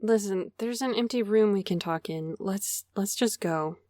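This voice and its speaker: An actress playing a guarded perfectionist young office worker in an audio drama, measured, articulate and earnest. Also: female voice, mid-range voice, background noise, natural voice. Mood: guarded, apologetic.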